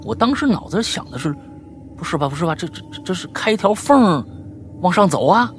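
A man with a rough, husky voice hosting and telling listener stories in a chatty way, prone to grumbling, scolding asides. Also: high voice, big pitch swings, fairly quick, slight background noise. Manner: grumbling, scolding, exasperated rants. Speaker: host reading listener stories. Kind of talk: animated storytelling with chatty asides.

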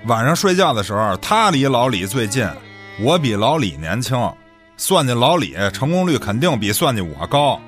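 An actor playing a brash, foul-mouthed, shady restaurant boss in a radio drama, scornful and streetwise. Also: male voice, medium pitch, very animated, normal speed, fairly bright tone, faint music behind. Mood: defensive, dismissive.

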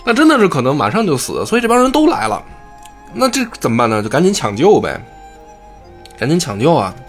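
A man who hosts a podcast, retelling a classic novel in animated, colloquial chat and swearing freely. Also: on the high side, fast talker, soft background music. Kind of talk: casual storytelling chat.

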